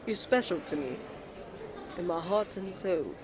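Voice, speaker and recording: A man's voice: sits high, animated, measured pace, background noise. A man voicing a kind, earnest young twin brother who gets nervous and stammers easily in a romantic roleplay. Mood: tender, reassuring. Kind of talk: ASMR romantic roleplay acting.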